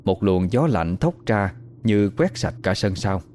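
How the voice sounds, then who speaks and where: A man telling a horror story in slow, even, suspenseful narration. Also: fairly low pitch, slight background noise. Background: faint music.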